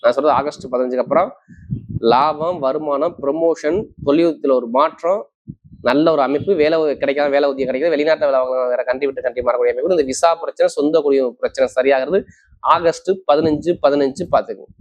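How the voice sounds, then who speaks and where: A man's voice: a little high, fast, a little mellow. A man giving an astrology forecast to viewers in an emphatic, assuring manner, often repeating key points. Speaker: astrologer, host. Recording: slightly dull, lo-fi sound.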